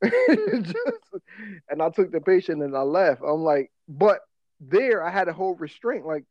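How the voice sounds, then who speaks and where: Male podcast co-host, African American English, casual profane storyteller, higher voice, dry and slightly lo-fi sound. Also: big pitch swings, no room sound. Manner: slangy, profane, quick to laugh. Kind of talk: casual chat, personal storytelling.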